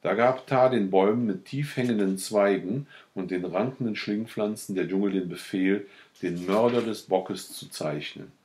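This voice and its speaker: Deep-voiced man reading a literary audiobook. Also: darkish tone, a little hiss or hum. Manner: measured storytelling. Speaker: audiobook reader.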